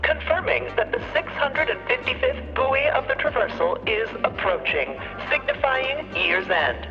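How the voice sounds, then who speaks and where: An actress playing a polished, chirpy broadcast presenter in an audio drama, with an effusive, presentational delivery. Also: female voice, fairly high pitch, very animated, measured pace, dull audio. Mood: gushing, deferential. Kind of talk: radio advert and live broadcast hosting. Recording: band-limited radio broadcast over music.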